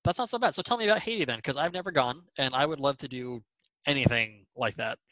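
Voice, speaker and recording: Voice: mid-range voice, quick pace, sharp tone, no room sound, poor audio. Interview host, hesitant, lots of fillers, casual questions, dry close sound.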